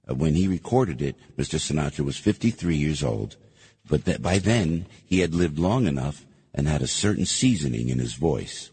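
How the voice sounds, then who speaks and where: A male radio host with a low, husky voice, chatting warmly and effusively with callers and thanking them at every turn. His talk is loose and full of small restarts. The broadcast carries a long, hall-like reverb. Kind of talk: casual radio chat.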